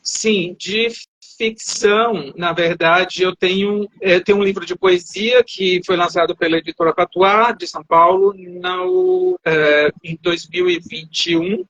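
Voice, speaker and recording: A man's voice: sits high, fairly even intonation, a little slow, fairly bright tone. A man from Salvador, Bahia, a writer guest in a live video interview, who rambles and corrects himself mid-sentence. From Salvador, Bahia, Brazil. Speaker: author guest. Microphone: video call. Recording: dull, dry video call audio.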